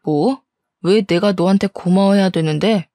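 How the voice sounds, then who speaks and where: A woman's voice: mid-range voice, moderate pace, mellow, no room sound, studio quality, natural voice. A woman voicing an angry cheating husband who blusters, scoffs and shifts the blame. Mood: defensive. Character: angry, defensive cheating husband in his thirties. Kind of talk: audio story dramatization.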